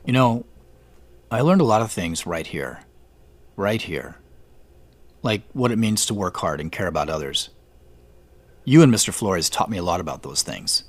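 A man playing an earnest, reflective tech executive, narrating and speaking in an audio drama in a measured, understated way. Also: low voice, very animated, no echo, heavily acted. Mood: sincere, grateful. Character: reflective Seattle tech CEO, earnest man narrating his own story. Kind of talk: first-person scripted audio drama narration and dialogue.

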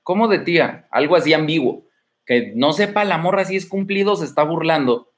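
His voice a little high and lively, a dating-advice host with a Mexican Spanish accent casually lectures viewers on a livestream from an indoor room at home. He's blunt and swaggering, peppering his talk with crude slang and rapid-fire rhetorical questions.

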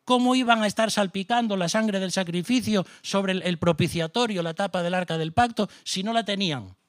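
A middle-aged Spanish pastor preaches passionately with a Spanish accent, firing off rhetorical questions and mocking asides. His voice is high and his pace a little fast. The studio-quality recording has no echo.

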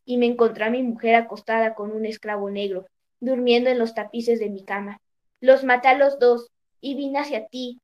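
A woman's voice: a little high, a little mellow, close to an everyday voice. A woman reading the lines of a grieving, betrayed king in a storybook tale, close to her own narrating voice. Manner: sober storybook reading of a king's words.

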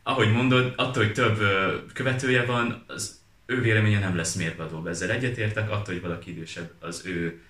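A man's voice: on the low side, steady tone, fairly bright tone. A man chatting casually as a co-host and giving his opinions in a conversational way. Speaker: talk co-host. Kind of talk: casual chat. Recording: echoey room sound.

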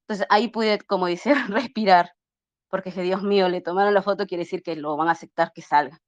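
A woman's voice: medium pitch, a little fast, no echo. A middle-aged woman tells a personal story in a casual, earnest way, voicing the people in it as she goes and often restarting her sentences. The audio is dry and a little muffled, close and lo-fi. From Peru. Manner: earnest, acts out dialogue while retelling, frequent restarts. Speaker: interview guest.

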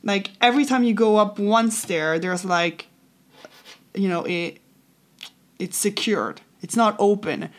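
A woman's voice: mid-range voice, measured pace, long pauses. Chatty young woman, searching for words. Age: 20s. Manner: translating in head, searching for words; rambling, self-interrupting. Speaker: host. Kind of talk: casual chatty personal storytelling.

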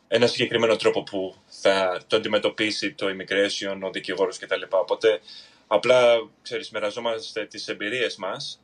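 A man's voice: lowish voice, a bit bright. A man from Greece chatting casually on a podcast over a video call, hesitant and full of fillers and restarts. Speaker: podcast guest.

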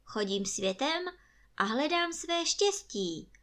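An eager, polite young wanderer from a fairy tale, as a woman reader puts him on, speaking in a raised, bright voice. He sounds willing and earnest. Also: high voice, sing-song, voice pushed up.

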